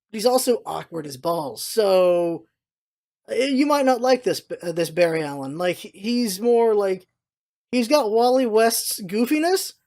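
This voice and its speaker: Casual, rambling vlogger with mid-pitched voice. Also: darkish tone. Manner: rambling, opinionated, informal with mild swearing. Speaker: video blogger giving movie opinions. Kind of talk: casual unscripted movie review chat.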